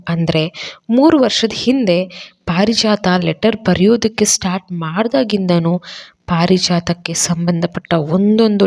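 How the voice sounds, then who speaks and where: A woman's voice: medium pitch, creaky, a little mellow. Woman narrating a serial love story. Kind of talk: scripted audio story narration.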